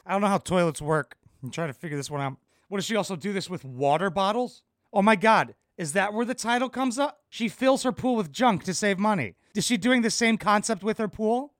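A man's voice: sits high, a little fast, a bit bright, no echo, clean studio sound. A man hosting a podcast, sarcastically mocking and cursing at a reality TV clip in casual commentary. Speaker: podcast host reacting to a TV clip.

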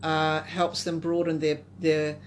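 A woman's voice: sits low, flat delivery, takes it slowly, slight background noise. A woman moderating a conversational discussion, putting questions and responding.

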